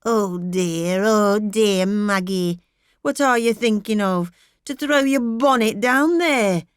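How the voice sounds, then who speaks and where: A woman's voice: mid-range voice, slow pace, clean tone, no echo, clean studio sound, pitched above the performer's own voice, lightly acted. A woman playing a fretful, complaining country mother. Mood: coaxing, fretful. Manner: fretful, plaintive scolding.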